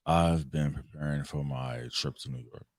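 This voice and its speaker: Casting: American man, very low voice, dry close sound, casual slangy talk show co-host. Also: steady tone, moderate pace, darkish tone, no room sound. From Cincinnati, Ohio, United States. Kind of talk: casual chat, personal storytelling.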